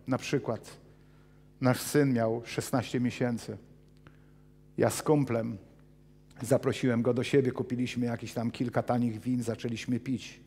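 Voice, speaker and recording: Man, 50s, pastor, sermon, animated, reverberant church hall. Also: mid-range voice. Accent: Polish. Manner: animated, gesturing broadly while pacing the stage. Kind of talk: sermon with personal testimony.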